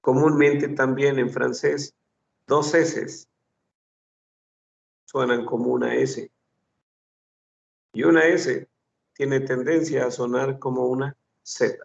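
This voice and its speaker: A man's voice: mid-range voice, steady tone, slow, vocal fry, long pauses, recorded from a distance. A man teaching a French phonetics class, patiently repeating sounds and examples. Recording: dull lo-fi recording.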